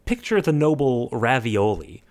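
A man's voice: medium pitch, big pitch swings, a little slow. A man in casual comedic chat with friends, riffing playfully and laughing often.

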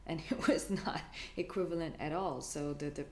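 Low-voiced woman interviewer in an echoey room. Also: normal speed, a little mellow. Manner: thoughtful, hesitant, with small laughs. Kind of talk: conversational interview. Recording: echoey room with faint noise.

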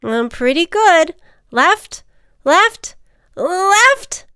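A woman's voice: very high-pitched, big pitch swings, very slow, bright, forceful tone, dry recording, studio quality, voice pushed up, full character voice. A woman voicing a sassy, pushy little ant who teases and coaxes, in a read-aloud storybook. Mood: needling. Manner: sassy, needling, persuasive.

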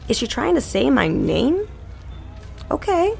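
A bewildered young woman, played by an actress, asks polite, puzzled questions in a fairly high, lively voice. Music sits behind her in this comic audio drama. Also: unhurried, creaky, heavily acted. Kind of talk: comedic audio drama acting.

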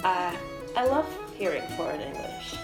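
A woman's voice: on the low side, very animated, normal speed, loud music behind the voice. Reflective woman musician, echoey room. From Sweden, raised in Norway. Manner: thoughtful, explaining. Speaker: folk musician, mandola player. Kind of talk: casual interview talk.

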